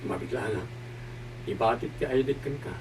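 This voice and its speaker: A man voicing a kindly working father who asks politely and persuades gently in an average-pitched voice. He sounds far from the microphone, with a loud hum beneath him. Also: moderate pace, close to an everyday voice. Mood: earnest. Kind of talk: amateur drama acting. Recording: distant mic with loud hum.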